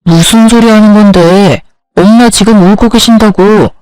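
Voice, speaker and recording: A woman's voice: mid-range voice, moderate pace, a little mellow, smooth, no echo, natural voice, rough recording. A woman reading as a defensive, irritable husband. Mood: irritated. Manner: blunt, defensive complaining.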